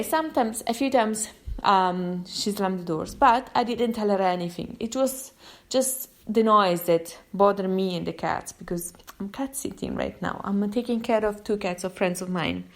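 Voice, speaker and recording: A woman from Italy with an Italian accent, a therapist talking through a casual live monologue, chatty and given to sudden pitch jumps when she acts out quotes. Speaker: therapist and podcast host.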